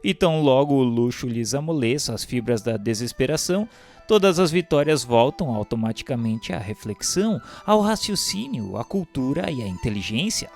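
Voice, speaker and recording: Expressive man narrating solemnly. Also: medium pitch. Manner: oratorical, formal, measured. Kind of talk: solemn scripted narration of a spiritual text. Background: music.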